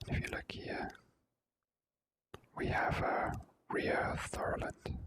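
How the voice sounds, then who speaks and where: A person whispering relaxed, unhurried ASMR commentary while playing a video game.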